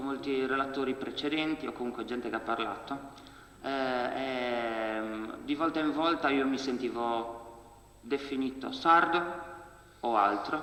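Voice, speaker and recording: There is noticeable background noise and audible room echo as a man with a fairly high pitch talks very slowly, his pitch varying in an ordinary way. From Sardinia, Sorso. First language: Sorsese (Sardinian/Sassarese variety) (speaking Italian). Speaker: audience member speaking at a conference. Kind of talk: public speech at conference. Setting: university lecture hall. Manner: halting, many fillers.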